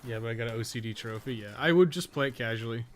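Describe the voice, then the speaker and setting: A man with a mid-pitched voice talks casually over live gameplay. He is candid and informal, chatting to viewers as he plays. Faint noise and ambience sit behind his voice. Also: quick pace. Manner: informal, candid, lightly swearing, conversational. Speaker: game streamer and guide maker.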